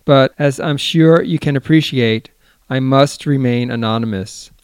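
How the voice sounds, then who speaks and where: A man doing a hoarse, broken old exile. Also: unhurried, no echo, lightly acted. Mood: grave. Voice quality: low and hoarse. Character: elderly male exile, broken, bitter, secretive.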